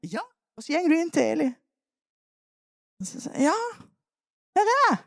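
A woman preacher retelling a Bible story in a lively sermon, coaxing her listeners to act out the parts. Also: sits high, creaky, no room sound, clean studio sound.

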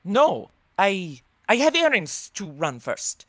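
An actress playing a scheming, secretive noir informant with a Spanish accent and a formal, dramatic manner. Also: female voice, mid-range voice, big pitch swings, takes it slowly, a bit bright, no room sound, studio quality, full character voice. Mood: grave. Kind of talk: comedic noir audio drama.

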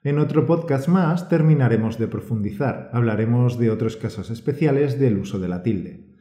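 A man from with a mellow, warm voice, co-hosting a scripted grammar lesson. He explains rules calmly and encourages the listener. The recording has a roomy echo. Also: medium pitch, normal speed. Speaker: podcast co-host and Spanish teacher. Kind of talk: scripted teaching podcast.

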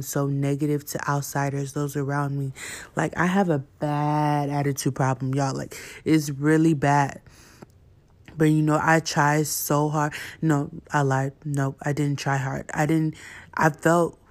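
Flat-toned young woman telling her story. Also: deep voice, unhurried. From Houston, Texas, USA. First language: Yoruba. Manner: candid and chatty, many fillers like "you know". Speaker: podcast host. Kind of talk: personal storytelling.

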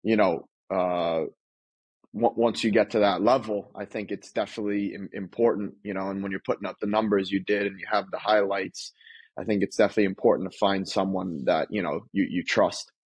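A man hosts a casual interview in a somewhat low, husky voice. He is agreeable and affirming, and he leans on filler phrases as he builds his questions. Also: steady tone, a little fast. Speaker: podcast host.

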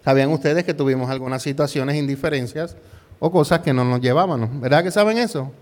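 A man's voice: medium pitch, fast talker, a little mellow. A middle-aged male pastor preaching a conversational sermon built around a personal story. He keeps asking rhetorical questions, tags his points with "¿verdad?", and slips English words into his Spanish.

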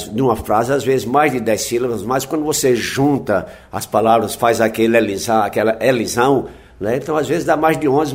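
A man, a folk singer-poet, speaking in a reflective interview and explaining things patiently with frequent tag questions. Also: medium pitch.

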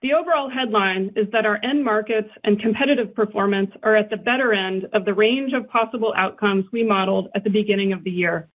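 A woman finance executive reading a scripted earnings presentation in a formal, measured way. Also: medium pitch. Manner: formal, measured business delivery. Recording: dull, band-limited conference call audio.

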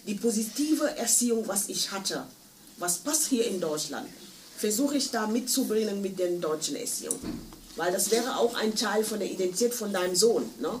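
A woman's voice: mid-range voice, lively intonation, moderate pace. Give me a woman moderator asking probing follow-up questions, recorded from a distance with noticeable room noise. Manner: inquisitive, rephrasing questions. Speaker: discussion moderator. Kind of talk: moderating a discussion round.

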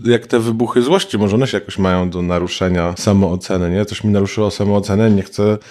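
A man's voice: fairly low pitch, steady tone, fairly quick, a little mellow. A man hosting a casual interview, asking questions in a thoughtful way with hesitant fillers.

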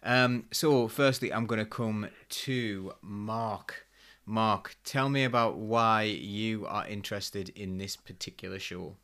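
A man's voice: lowish voice, slow, a bit bright. A man hosting a live talk show in a casual, rambling, self-deprecating way. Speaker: host.

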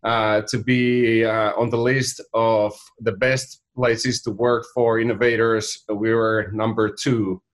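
A middle-aged man from Finland with a Finnish accent, a company founder talking casually as an interview guest, pausing often with many fillers. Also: on the low side, little pitch movement. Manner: halting, many fillers and restarts.

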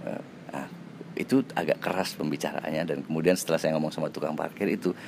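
Very deep, creaky, and fast, the man's voice carries over background noise. He's an actor casually sharing an interview anecdote, voicing the other people's lines in changing voices, relaxed and chatty with fillers and self-laughs.

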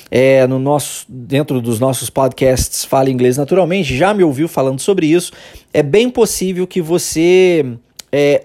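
A Brazilian man hosting an English-lesson podcast, explaining step by step, often checking in with "tá?" and slowly demonstrating sounds. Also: a little high, warm tone. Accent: Brazilian Portuguese. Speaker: English teacher, podcast host.

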